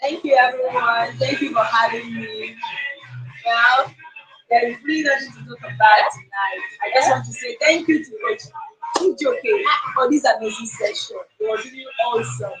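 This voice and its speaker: A woman giving a short speech to a workshop group, measured and pausing with fillers. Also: on the high side, fairly bright tone, low-quality recording. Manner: measured, hesitant with pauses and fillers. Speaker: workshop participant.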